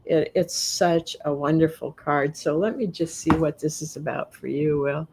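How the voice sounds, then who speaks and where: A woman hosting a spiritual live stream and giving card readings, talking in a gentle, earnest way with soft laughs, her voice a little worn. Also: sits low, steady tone, normal speed, noisy background. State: losing her voice. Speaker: host and card reader.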